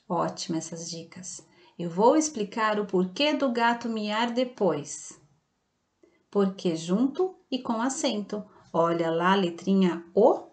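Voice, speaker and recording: A Brazilian Portuguese-speaking woman teacher giving a slow, patient online grammar lesson to children, often checking in with the class. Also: mid-range voice, a little mellow. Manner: patient, slow and didactic, checking in with "tá bom?" and "certo?". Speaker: primary school teacher.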